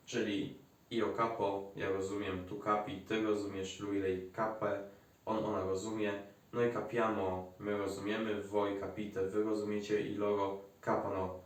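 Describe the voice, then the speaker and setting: Polish guy teaching grammar at a whiteboard, chatty w little jokes, kinda low voice, very echoey room. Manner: chatty, joking asides. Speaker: Italian language teacher. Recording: very echoey room, mic at a distance.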